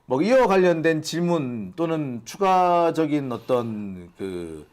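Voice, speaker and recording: A man in his sixties hosting a casual news discussion, asking questions and reacting with quick remarks. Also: fairly high pitch, big pitch swings, darkish tone. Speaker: host.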